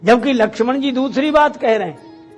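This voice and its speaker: High-pitched male Hindu preacher. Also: moderate pace, faint music behind. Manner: rhetorical questions, dramatized dialogue, recited verses. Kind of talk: devotional discourse retelling Ramayana episodes.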